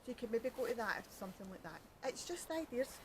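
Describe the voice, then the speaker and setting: A woman's voice: on the high side, expressive, fast, a little hiss or hum. A Scottish woman with a Glaswegian accent, hosting a podcast in a rambling, joking chat outdoors by a canal at night, cold. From Scotland. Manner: chatty, joking, self-mocking, rambling. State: cold, fingers freezing. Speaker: podcast host. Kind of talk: casual chat.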